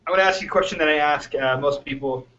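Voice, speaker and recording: A man hosting a casual video chat from a hotel room, chatty and quick to laugh. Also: on the high side, sharp tone. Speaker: host. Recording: lo-fi web call audio.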